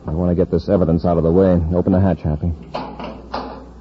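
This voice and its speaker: A man playing a calm, steady space commander who gives firm orders in a 1950s radio drama. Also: low voice, a little fast, lightly acted. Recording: dull old radio broadcast with faint hiss.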